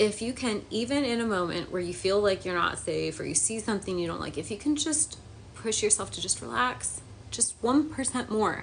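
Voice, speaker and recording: Lively intonation carries this voice along at a moderate pace. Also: woman. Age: 30s. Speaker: manifestation coach. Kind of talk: live stream talk. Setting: livestream. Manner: soft-spoken; louder than usual.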